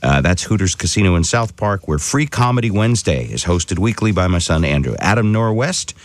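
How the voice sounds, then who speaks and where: A man's voice: sits low, expressive, fairly quick, no echo. A middle-aged man hosting a radio show in a studio, talking in a wry, teasing way. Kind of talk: morning radio talk.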